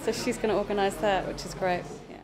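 A woman's voice: medium pitch, steady tone, quick pace, darkish tone, poor audio. A woman in her thirties talking chattily and enthusiastically about her church community. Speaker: churchgoer, mother. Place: church hall.

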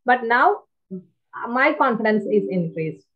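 A woman, a class participant giving a thoughtful, halting account of her own experience. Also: fairly high pitch, expressive. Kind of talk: sharing personal experience. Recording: tinny phone-like call line.

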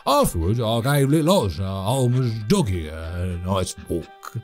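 An actor playing a chatty, cheerful manor servant in an audio drama, with a British accent and a rambling, stammering, chuckling delivery. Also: male voice, lowish voice, very animated, unhurried, a little mellow, soft background music. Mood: cheerful, upbeat. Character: chatty, cheerful, oft-killed manor servant named Todd.

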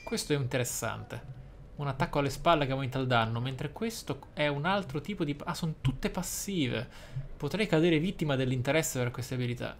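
A man's voice: medium pitch, brisk, a little hiss or hum. A man giving video game commentary in wordy, formal phrasing. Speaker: video game let's player. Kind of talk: game commentary, reading skill descriptions aloud.

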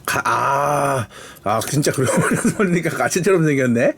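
A man's voice: mid-range voice, animated, a little slow, a bit bright, a little hiss or hum. A man hosting a snack review, chatting casually and thinking aloud in an informal, unscripted way. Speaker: host of a snack review video. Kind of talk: casual food review chat with a child.

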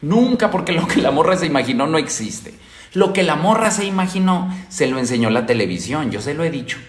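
Man, Mexican Spanish accent, blunt and slangy, repeats himself for emphasis, somewhat high pitch, roomy echo. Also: big pitch swings, brisk, slight background noise. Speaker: dating advice streamer. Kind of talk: casual livestream monologue.

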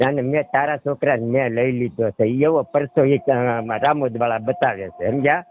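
A man's voice: medium pitch, moderate pace. A middle-aged man with a Saurashtra Gujarati accent, telling a rambling personal account as a caller and often checking that he is understood. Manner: repeatedly checks the listener understands. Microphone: telephone. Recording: tinny narrowband phone call recording.

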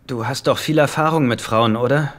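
A man's voice: mid-range voice, fairly quick, background noise, lightly acted. An actor dubbing a naive, boyish rich young man in a German sitcom, guileless and childlike. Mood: earnest. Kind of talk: German-dubbed sitcom acting.

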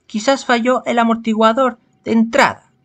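A man's voice: extremely high pitch, fairly even intonation, normal speed, fairly bright tone, pitched above the performer's own voice. A man voicing a flustered, haughty moonfolk woman scientist for a visual novel. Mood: puzzled. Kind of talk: improvised visual novel character voice.

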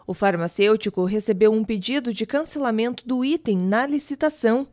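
A woman news reporter reads a scripted report in a steady, measured tone. The recording is dry and close, with no room sound around her voice. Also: a little high, dry recording. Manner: even, measured reporting delivery.

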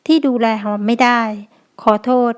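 A woman reading the lines of a remorseful, devoted young husband in an audio novel, speaking softly and pleadingly. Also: normal speed, close to an everyday voice.

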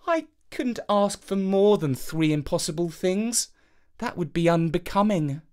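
A woman's voice: on the low side, expressive, unhurried, warm tone, voice pushed up. A woman voicing a gracious, effusive young fairytale princess with a genteel, exclaiming manner. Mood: flustered, demure.

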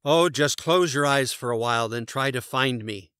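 A man's voice: mid-range voice, moderate pace, fairly bright tone, clean tone, dry recording, clean studio sound, natural voice. A man voicing a bossy, short-tempered bear with exasperated, emphatic bluster in a children's storybook.

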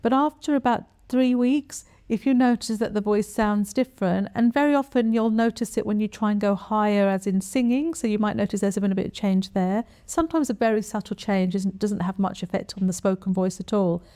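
A middle-aged woman giving an explanatory talk to camera as a specialist, in a measured, plain-spoken and instructive manner. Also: medium pitch, warm tone, clear, resonant tone. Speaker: voice specialist presenter. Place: small quiet furnished room, indoors. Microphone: lapel mic.

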